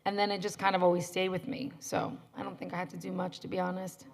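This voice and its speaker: Raspy-voiced woman voice actor. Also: flat delivery, quick pace. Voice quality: deep, raspy voice. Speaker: voice actor guest, parent. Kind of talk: casual panel chat. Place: convention panel room.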